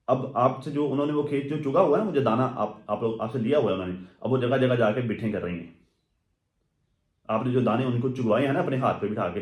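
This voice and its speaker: A man's voice: medium pitch, a little mellow. A man giving casual, rambling commentary on social media gossip, full of fillers and asides. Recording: echoey room.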